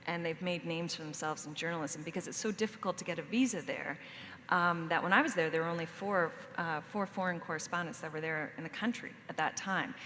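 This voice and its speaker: A woman correspondent with a slightly low voice, recounting events with a few fillers. The sound has a long hall reverb and faint noise. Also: fairly bright tone. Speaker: panelist, foreign correspondent. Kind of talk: panel discussion.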